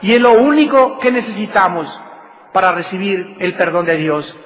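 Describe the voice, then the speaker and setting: A man's voice: animated, normal speed, fairly bright tone. A man preaching a sermon, with emphatic swells and drops in his delivery. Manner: emphatic preaching with dramatic swells in pitch and volume. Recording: reverberant hall, dull lo-fi sound.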